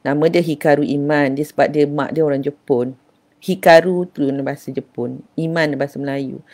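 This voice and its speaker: A woman's voice: low voice, steady tone, fairly quick, darkish tone. An older woman, giving an affectionate, casual talk on parenting and addressing her listeners as dear. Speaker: parenting speaker.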